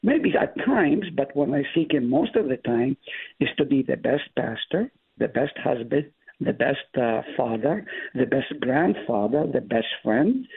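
Man, native Hebrew speaker, from the Middle East, husky and gravelly, lively emphatic pitch, tinny phone-line sound. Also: a little slow. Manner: emphatic, explaining with rising stress. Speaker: pastor guest. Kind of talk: Bible study discussion.

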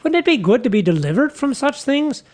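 An actor playing a humble, folksy fisherman apostle in a comic radio sketch, earnest and chatty, halting over his words. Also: extremely high pitch, sing-song, darkish tone. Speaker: guest character.

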